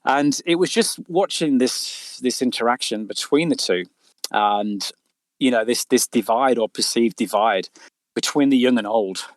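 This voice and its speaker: A man's voice: mid-range voice, unhurried, no room sound. A middle-aged man chatting casually as an interviewed author, telling things in a rambling way with stammered repeats. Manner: rambling storyteller with frequent stammered repeats and "you know".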